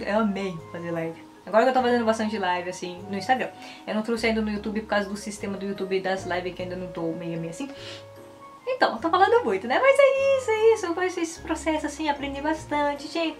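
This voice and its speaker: A woman, chatting casually and animatedly to the camera in a rambling way. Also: a little high. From Japan. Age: 20s. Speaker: YouTuber and Japanese teacher. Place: small indoor room. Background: background music.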